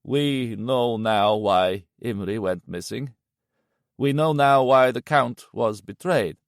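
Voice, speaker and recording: A man voicing a grim white-haired older man who speaks quietly and without life in a dull, hollow tone. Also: medium pitch, takes it slowly, no echo, studio quality. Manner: dull, lifeless, quiet delivery.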